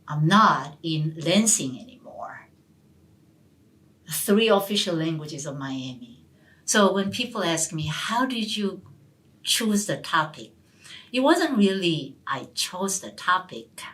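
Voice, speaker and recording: A middle-aged woman professor, an English speaker, telling stories in an interview, animated and often restarting her words. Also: deep voice, low-quality recording. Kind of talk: storytelling interview answers. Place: university hall.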